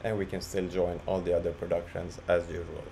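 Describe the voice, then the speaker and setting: A man presenting a casual software walkthrough, explaining step by step in a halting way. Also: sits low, level tone. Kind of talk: casual screen-share walkthrough. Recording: clearly audible background noise.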